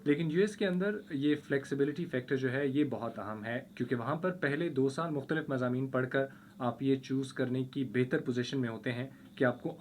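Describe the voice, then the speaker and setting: A man's voice: medium pitch, slight background noise. A man co-hosting a radio show, fluently summarizing the conversation for listeners. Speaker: radio co-host. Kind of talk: radio recap.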